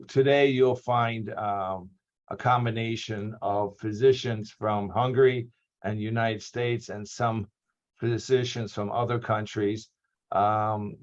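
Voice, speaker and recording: A man's voice: lowish voice, muffled recording. A man from Australia hosting a lecture series, giving a formal introduction of a guest with frequent ums and restarts over a video call. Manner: hesitant, many ums and restarts.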